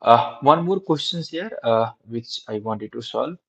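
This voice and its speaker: A man with a South Asian accent teaching a live physics lesson in a halting, repetitive way, often checking with his students. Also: medium pitch, animated, vocal fry. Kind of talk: live exam-prep lesson, working through problems. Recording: dull lo-fi recording.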